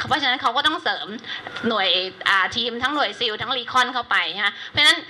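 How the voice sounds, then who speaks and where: Fast-talking high-voiced woman reporter. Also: slight background noise, rough recording. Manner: animated storytelling, acts out quoted exchanges. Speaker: news reporter. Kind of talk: casual interview talk.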